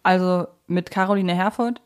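A woman's voice: lowish voice, steady tone, normal speed, a little mellow, smooth. A woman hosting a podcast, chatting casually about fictional characters in a conversational discussion. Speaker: podcast host.

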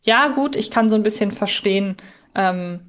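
A woman hosts a casual podcast discussion. Her voice sits at a middle pitch. She talks in a reflective way, working out her thoughts as she goes. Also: normal speed. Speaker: podcast host.

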